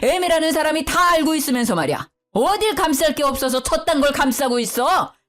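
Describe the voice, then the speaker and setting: A woman's voice: high voice, animated, brisk, fairly bright tone, pitched above the performer's own voice. A woman voicing a stern elderly father-in-law who scolds his wayward son harshly. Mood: angry.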